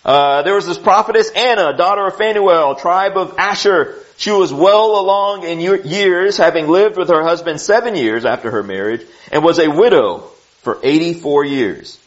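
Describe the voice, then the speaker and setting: A man's voice: on the high side, expressive, moderate pace. A man preaching a sermon, reading scripture and teaching it in a conversational way, with frequent asides and restarts. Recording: dull lo-fi recording.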